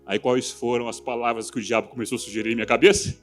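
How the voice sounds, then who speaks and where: A man with a Brazilian Portuguese accent preaching a live church sermon, moving from loud, fervent exhortation to hushed, earnest passages. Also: medium pitch, flat delivery, quick pace, faint music behind. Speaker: pastor. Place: church service.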